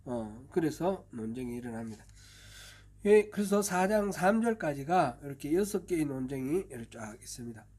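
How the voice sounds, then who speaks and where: A male pastor giving an expository Bible-teaching sermon at a church service, patiently explaining with many fillers and often clearing his throat. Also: on the high side, very animated, moderate pace, darkish tone.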